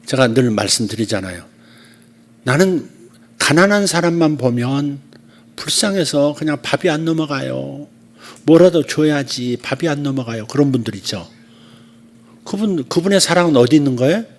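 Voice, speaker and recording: A man who is a pastor, giving a conversational sermon at a church service, telling stories and swinging between loud and soft speech. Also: fairly high pitch, expressive, moderate pace, pauses often.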